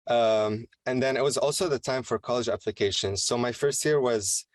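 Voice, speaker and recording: A young man from Syria, a student fellow, giving prepared personal remarks in a measured way. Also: medium pitch, no echo. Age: young adult.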